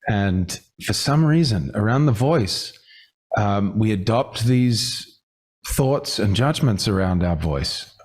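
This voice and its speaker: Reflective, low-voiced man teaching gently. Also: animated. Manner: halting, reflective, gently inviting. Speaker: voice coach. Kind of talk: conversational teaching.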